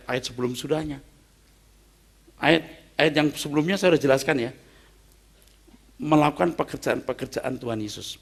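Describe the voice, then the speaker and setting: Pastor guy preaching, gravelly husky voice, gets loud then drops real soft. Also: medium pitch. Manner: emphatic, swings from loud exclamations to soft asides. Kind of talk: sermon.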